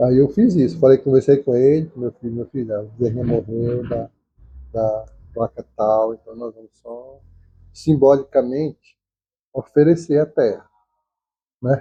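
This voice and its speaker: The speech moves at a moderate pace with long, frequent pauses, big swings in loudness, ordinary pitch variation, a somewhat breathy, dark, mellow tone, and a dry, close sound with no echo. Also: man, medium pitch for a man. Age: 60s. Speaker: dairy farmer. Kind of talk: interview, casual storytelling. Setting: on a farm.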